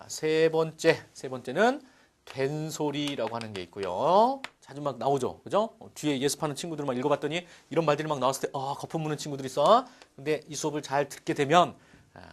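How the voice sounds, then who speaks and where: A man's voice: a little high, a little fast. A middle-aged man teaching a Korean language lesson, explaining step by step and checking in with his students as he goes. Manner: lively explaining, frequent "자" and rhetorical checks. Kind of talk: classroom lecture.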